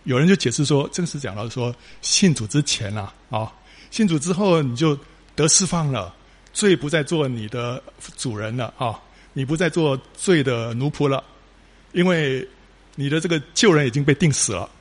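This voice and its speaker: Husky-voiced man preaching with lively emphasis. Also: mid-range voice, normal speed. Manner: storytelling with lively rising emphasis and many filler particles. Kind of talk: sermon.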